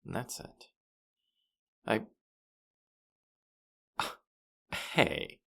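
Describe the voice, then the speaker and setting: A man's voice: low voice, gravelly, a bit bright, heavily acted. A man playing a teasing, boastful demon who guides souls through the afterlife in a roleplay audio drama, condescending and playful. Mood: offended, puzzled.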